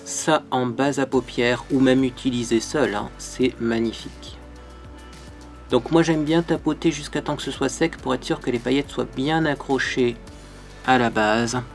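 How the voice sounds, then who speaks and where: A man's voice: medium pitch, a little slow, faint music behind. A man hosting a makeup tutorial, talking in a bubbly, chatty way and often tagging his sentences with little fillers. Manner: bubbly, chatty, peppered with "hein". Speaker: beauty vlogger.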